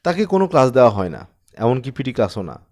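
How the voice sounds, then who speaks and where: A man reading a short story as an audiobook narrator, in an expressive storytelling style. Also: mid-range voice, fast talker.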